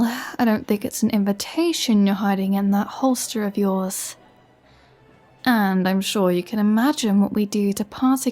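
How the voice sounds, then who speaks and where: A woman's voice: mid-range voice, mellow, natural voice. A woman playing a flirty, teasing vampire with a sarcastic, playfully threatening manner in a roleplay audio drama. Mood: teasing threat. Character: flirty, teasing, menacing female vampire toying with a hunter.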